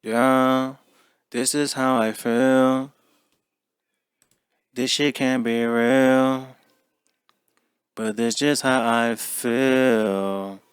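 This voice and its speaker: Slow, flat auto-tuned male vocal. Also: mid-range voice, clear, resonant tone, no echo, studio quality. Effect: auto-tune. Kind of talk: played-back sung vocal recording.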